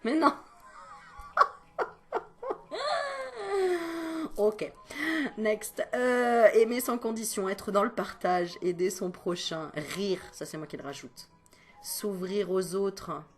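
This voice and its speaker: A woman's voice: mid-range voice, slow, soft background music. A woman energy healer chatting through spiritual advice at home, digressing often and adding joking asides. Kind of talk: casual spiritual advice vlog.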